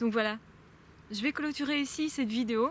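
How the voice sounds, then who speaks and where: The pace is moderate. A woman speaks, her pitch varying in an ordinary way. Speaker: vlogger. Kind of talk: casual vlog monologue.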